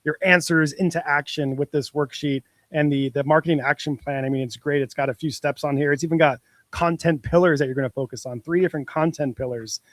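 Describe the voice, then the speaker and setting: An upbeat man co-hosting a casual business podcast, encouraging his listeners and chuckling now and then. His voice sits a little higher than average. The recording is dry and close-miked. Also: steady tone, a little fast, no echo. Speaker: podcast co-host.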